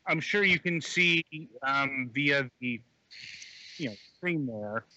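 A man's voice: mid-range voice, expressive, slow, bright, forceful tone, no room sound. A man co-hosting a casual game review podcast, talking with many fillers and restarts over a phone microphone. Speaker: podcast co-host reviewing games. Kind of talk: casual chat. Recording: dull lo-fi phone mic.

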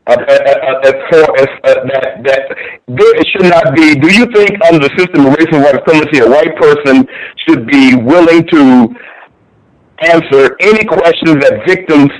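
A man's voice: fairly high pitch, normal speed, poor audio. A male radio host pressing his guest with repeated, pointed questions. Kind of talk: call-in radio interview.

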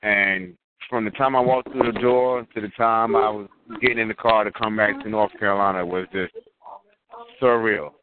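Animated man telling stories over a phone line. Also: fairly low pitch, moderate pace, a crowd in the background. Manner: animated, acts out quotes in a raised voice. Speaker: guest wrestler. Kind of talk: casual storytelling chat. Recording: tinny phone-line audio.

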